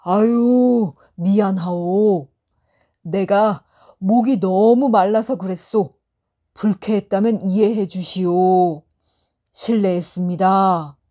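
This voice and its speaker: A woman's voice: mid-range voice, slow pace, dark tone. A woman doing a thirsty, puzzled male traveler. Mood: polite. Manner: exclaiming, bewildered.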